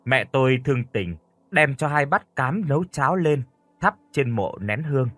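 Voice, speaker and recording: Husky man narrating a dark story. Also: mid-range voice, animated, normal speed, no room sound. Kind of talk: scripted first-person horror narration.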